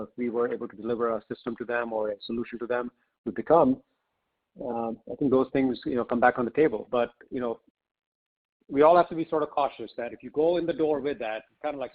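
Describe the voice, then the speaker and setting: A man's voice: medium pitch, fast talker. A man speaking as a company executive, answering questions off the cuff on an investor conference call in a conversational way peppered with "you know". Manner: conversational, often says "you know" and "right". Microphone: conference call line. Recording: slightly muffled conference call audio.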